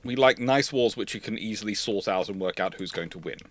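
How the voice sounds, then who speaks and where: A man's voice: fairly low pitch, a little fast, no room sound. A man hosting a casual, analytical history discussion, talking discursively and often rephrasing himself as he goes. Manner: discursive, repeats and rephrases phrases. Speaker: host of naval history livestream.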